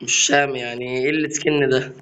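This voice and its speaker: A man's voice: medium pitch, little pitch movement, fast, fairly bright tone. A man with an Egyptian accent giving casual, jokey commentary over gameplay, exclaiming often. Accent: Egyptian Arabic. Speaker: gaming youtuber. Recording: dull lo-fi sound with faint noise.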